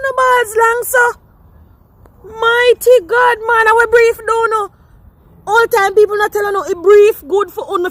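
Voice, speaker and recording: A woman's voice: very high-pitched, a bit bright. A woman with a Jamaican accent, talking emphatically in patois in an archived street clip.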